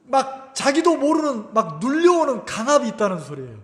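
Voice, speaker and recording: A male pastor preaches in a high, swooping voice. He keeps asking the congregation questions. His voice rings with a long reverb through the church hall. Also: a little fast. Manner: animated, asks the congregation questions, acts out quotes. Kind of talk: sermon. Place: church sanctuary.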